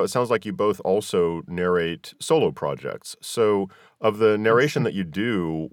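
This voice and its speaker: Low-voiced male interviewer, dry sound. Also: no room sound. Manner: curious, roundabout questioning. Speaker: podcast host, interviewer. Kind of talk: casual interview talk.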